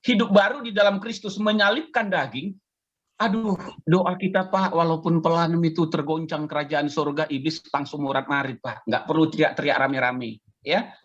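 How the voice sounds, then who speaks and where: A man in his fifties delivers a conversational sermon, pausing often to ask his listeners to respond. His voice is slightly husky. The sound is dull and lo-fi, the way audio comes through an online meeting. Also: a little high, a bit bright. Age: 50s. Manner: conversational, chatty preaching with audience call-and-response. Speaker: pastor.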